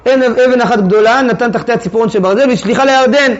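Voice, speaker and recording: A man with a very high-pitched voice teaches Torah texts to a class, first reading the sources aloud, then breaking them down in everyday speech. The recording is lo-fi.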